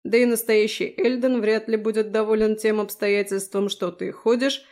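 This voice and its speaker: A woman's voice: mid-range voice, fairly even intonation, moderate pace, a little mellow, lightly acted. A woman voicing a cheeky, fussy male fairy who teases and scolds, in a fantasy audiobook. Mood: teasing. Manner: teasing, scolding.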